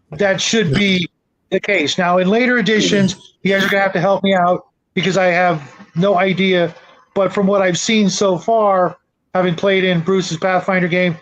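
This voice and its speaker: A man talking casually in a group discussion, halting a little as he thinks aloud. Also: high voice, fairly bright tone, low-quality recording. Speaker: panelist leading a tabletop gaming discussion.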